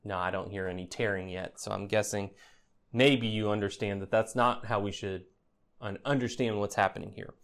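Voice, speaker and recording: On the low side and a bit bright, his voice stays steady at a moderate pace as the pastor teaches through an expository sermon conversationally. He often tosses "right?" at the congregation as a rhetorical question, with touches of dry, teasing humor.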